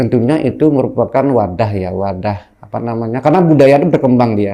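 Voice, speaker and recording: A man talks very fast at a medium pitch. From Bali. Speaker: dance lecturer. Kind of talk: radio interview. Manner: halting, many fillers.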